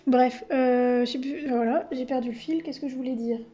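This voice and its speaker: A woman's voice: sits high, fairly even intonation, unhurried, mellow, dull audio. A woman vlogging in a casual, rambling way, often breaking off and laughing at herself. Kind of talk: casual chatty vlog talk.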